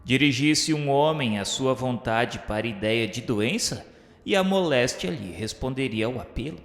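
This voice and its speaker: A man's voice: medium pitch, animated, normal speed, faint music behind, close to an everyday voice. Echoey solemn Brazilian actor as male narrator. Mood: solemn, edified. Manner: formal, solemn, literary diction. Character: reverent male disciple narrating a spiritual tale. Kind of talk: scripted radio drama narration. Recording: echoey hall reverb.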